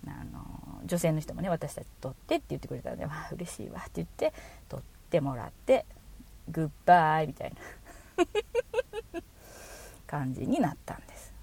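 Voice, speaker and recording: A woman with a Kansai accent hosting a casual solo podcast, chatty, giggling often and trailing off into soft asides. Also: lowish voice, creaky. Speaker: podcast host.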